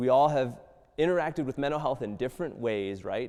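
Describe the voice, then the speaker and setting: Speaking with an American accent, a man uses a dark, mellow tone and lively intonation at a fairly quick pace. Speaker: mental health speaker. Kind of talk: talk to student audience; guided breathing exercise. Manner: fast.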